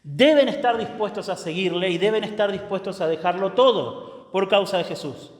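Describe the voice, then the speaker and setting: A man preaching a sermon as pastor, emphatic, swinging between loud declarations and hushed lines, often checking in with the congregation. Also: sits high, normal speed. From Argentina. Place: church sanctuary. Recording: echoey church hall with long reverb.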